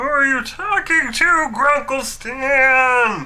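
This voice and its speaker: Over light background noise, a man puts on a character voice that is extremely high-pitched, raised and projected, and very slow in pace. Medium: game stream.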